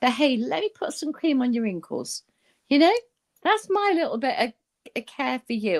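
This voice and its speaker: A woman with an English accent is heard in a dry, close sound with no echo. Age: 60s. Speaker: interview guest. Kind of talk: casual chat. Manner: animated.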